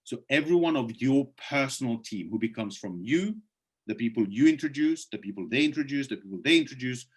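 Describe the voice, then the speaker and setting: Worn rough from many presentations, a man's mid-range voice carries through a computer mic as he hosts a video call and loses his voice. He reads chat questions aloud, answers them one by one, and presses his audience persuasively. His intonation is lively and his pace fairly quick.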